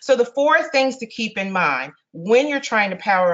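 Against a quiet background, a woman speaks at a moderate pace in an enthusiastic, energetic tone with very wide pitch swings. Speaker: career development speaker at webinar. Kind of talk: motivational, conversational. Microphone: webcam.

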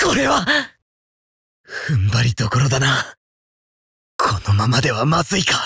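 A man's raspy, put-on character voice at medium pitch, with lively intonation, a moderate pace, long, frequent pauses and very even loudness. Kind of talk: video game character voice lines. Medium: dub. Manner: calm, composed.

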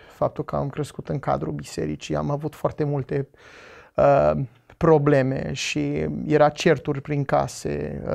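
Against a quiet background, the words come at a fairly slow rate. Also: man. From US, Chicago. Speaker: addiction ministry worker; podcast guest. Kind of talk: testimony. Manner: halting. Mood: reflective, earnest testimony. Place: studio. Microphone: lapel.

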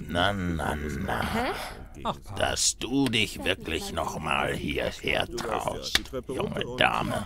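Speaking at a very slow pace, a man puts on a character voice. Clear background noise is present. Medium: audio drama. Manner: gruff, dry, formal.

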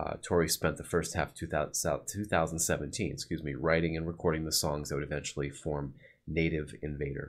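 In a very deep, low voice, a man delivers his words in a monotone, flat intonation at a moderate pace against a quiet background. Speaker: reaction channel host. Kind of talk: casual vlog chat. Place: home room. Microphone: studio mic.

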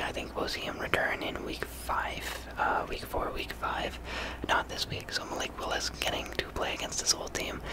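Loud background noise runs throughout. A soft-spoken man talks at a moderate pace. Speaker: sports commentator. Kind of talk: commentary. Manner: soft, close-mic ASMR speaking. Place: home room. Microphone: studio mic.

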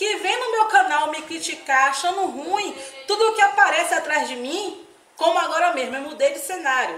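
A woman talks at a moderate pace in an extremely high pitch, her voice raised and projected. Audible room echo surrounds her. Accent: Bahian. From Bahia, Brazil. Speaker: YouTuber. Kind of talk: casual vlog monologue. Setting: at home. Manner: chatty, laughs often. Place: home room. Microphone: phone near.

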